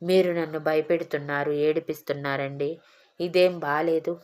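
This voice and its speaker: A shy young wife in an audio story begs her husband in timid, pleading words, as a woman reads her. The delivery is low-pitched and flat. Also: normal speed, lightly acted.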